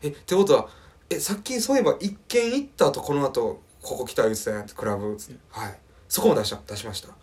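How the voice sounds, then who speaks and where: A young man with a Kansai accent, a comedian telling a story in casual chat, acting out the people in it with big jumps in his voice. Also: quick pace. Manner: animated, acts out quoted voices with big pitch jumps. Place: podcast recording with friends.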